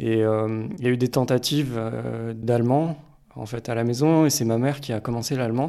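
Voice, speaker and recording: With fairly even intonation and a medium pitch, a man talks at a moderate pace in a plain, everyday voice. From France, Paris area. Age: 30s. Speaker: interviewee. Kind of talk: personal testimony.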